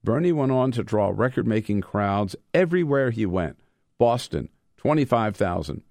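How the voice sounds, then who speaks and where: A man who is an author reading from his own book, mixing measured, emphatic delivery with informal storytelling. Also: on the low side, big pitch swings, a little mellow, dry recording, studio quality.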